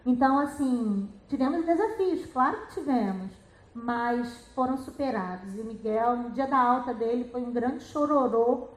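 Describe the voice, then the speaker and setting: A middle-aged woman, an educational psychologist, teaching other teachers in a lively, explanatory way and asking rhetorical questions. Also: a little high, moderate pace. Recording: echoey room.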